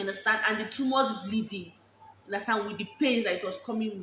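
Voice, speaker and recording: Speaking at a fairly quick pace with a Nigerian accent, a woman has a fairly high pitch and ordinary pitch variation, with noticeable background noise and audible room echo. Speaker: vlogger. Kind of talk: personal testimony vlog. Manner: halting, repetitive.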